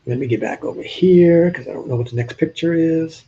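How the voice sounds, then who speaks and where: An older man from New Hampshire with a slight Southern drawl chats with his live-stream viewers and jokes with them. His voice is dark and a little husky. The sound is dull and slightly lo-fi. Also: fairly high pitch, brisk. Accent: Southern US with New England traces. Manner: chatty, joking, talks to viewers in chat. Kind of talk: casual live-stream chat showing old photos.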